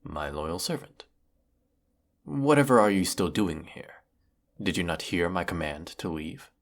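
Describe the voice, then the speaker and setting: Man playing a deep, gravelly, weary evil emperor. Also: expressive. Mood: softened, teasing. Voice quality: low, gravelly. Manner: pompous, theatrical, formal, drawn-out phrasing. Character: weary, menacing galactic evil emperor, secretly fond of servant. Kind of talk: scripted audio roleplay monologue.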